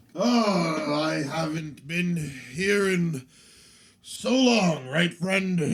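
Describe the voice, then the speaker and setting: A man is doing a put-on character voice. It's high-pitched and very slow. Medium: actual play. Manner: stilted, grudging.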